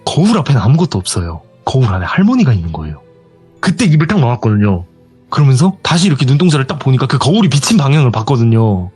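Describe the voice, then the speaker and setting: A young man tells a true ghost story in relaxed, conversational speech. His husky voice rises and falls in lively swings, and he acts out each person he describes. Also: mid-range voice, quick pace, faint music behind. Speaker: storyteller guest. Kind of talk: casual spoken horror story.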